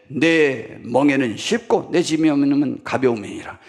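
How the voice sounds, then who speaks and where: A man talks with lively intonation amid audible room echo. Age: 60s. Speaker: pastor. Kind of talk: sermon. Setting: church.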